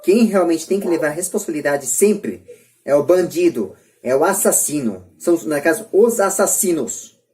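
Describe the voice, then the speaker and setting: A Brazilian man hosting a podcast debate, speaking earnestly and emphatically with halting, repeated phrases. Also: a little high, animated, darkish tone. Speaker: podcast host.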